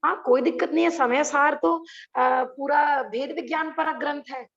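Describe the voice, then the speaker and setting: A high-pitched woman with a gravelly texture leads an online scripture lesson. She speaks earnestly and keeps asking her class rhetorical questions. The sound is dull and lo-fi, as on a video call. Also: fairly even intonation, moderate pace, a bit bright. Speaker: religious teacher.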